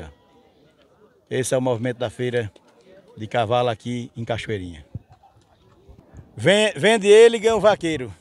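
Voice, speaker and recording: A man's voice: medium pitch, a little mellow. A man with a Northeastern Brazilian accent hosting a casual outdoor market vlog, chatting familiarly in short stock catchphrases. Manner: repeats stock catchphrases, addresses people familiarly. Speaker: host, market reporter. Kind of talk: casual on-location vlog commentary and interviewing. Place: outdoor dirt-lot livestock market with trucks.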